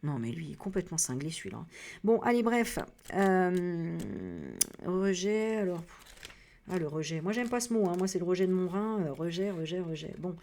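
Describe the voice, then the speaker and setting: A woman from France giving a casual spiritual reading, rambling with many hesitations and frank, animated asides. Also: lowish voice, normal speed. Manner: rambling, full of hesitations and fillers. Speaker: psycho-energy practitioner and medium.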